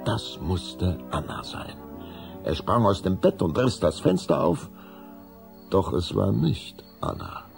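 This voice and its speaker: A man with a gravelly voice narrating a children's audio drama in scripted storybook style. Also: sits low, huge pitch swings, takes it slowly, a little mellow, faint music behind.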